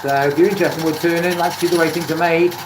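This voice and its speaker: A man's voice: little pitch movement, racing. A man with a Welsh accent chatting casually on a livestream while he works, often repeating phrases for emphasis. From Wales. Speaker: live streamer, beginner woodturner. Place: indoor woodturning workshop. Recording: echoey workshop, loud machinery noise. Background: lathe motor rumble.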